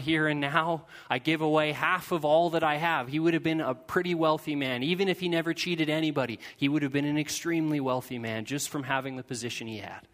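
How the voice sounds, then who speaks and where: Preacher, male, somewhat high voice, animated storytelling from the stage. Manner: storytelling, lively, asides to the sound crew. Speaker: pastor. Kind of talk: sermon.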